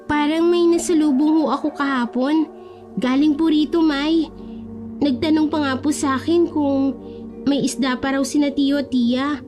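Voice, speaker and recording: A woman's voice: sits high, steady tone, moderate pace, music in the background, pitched above the performer's own voice, close to an everyday voice. A woman voicing a young provincial woman who speaks politely and worriedly. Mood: anxious.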